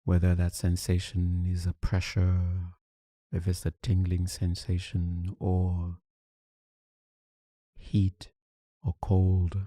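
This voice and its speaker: A man with a very dark, mellow voice guides a meditation in a low register. He gives soothing instructions in short phrases and leaves long, unhurried pauses between them. The sound is close and dry. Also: monotone, no room sound. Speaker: meditation teacher.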